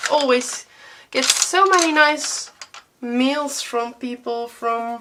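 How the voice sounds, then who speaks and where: A high-pitched woman with a Dutch accent and ordinary pitch variation, over noticeable background noise. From Netherlands. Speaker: artist and art teacher. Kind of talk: casual chat to camera. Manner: hesitant, many fillers.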